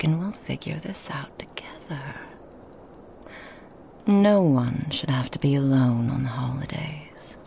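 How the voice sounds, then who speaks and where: A woman plays a sly, menacing Christmas demoness who whispers close to the mic, teasing and insinuating. Her voice is extremely deep and gravelly, and she drawls slowly. It is a dark, unhurried ASMR roleplay. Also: slight background noise, full character voice.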